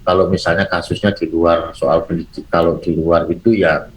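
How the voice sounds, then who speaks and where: A man speaking as a webinar presenter in a halting way, with many fillers and restarts. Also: low voice, flat delivery, slight background noise, poor audio. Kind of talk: online lecture.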